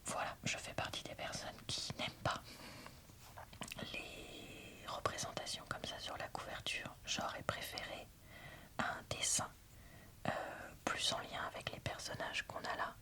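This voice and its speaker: Woman, whispered voice, ASMR, soft and unhurried, informal book reviewer. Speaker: book reviewer and video host.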